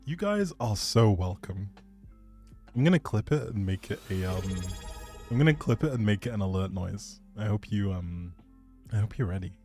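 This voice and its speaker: Low-voiced man, playful rambling streamer. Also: expressive, normal speed, darkish tone, faint music behind. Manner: playful, self-deprecating, rambling. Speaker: streamer, host. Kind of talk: casual livestream chat, showing a game build.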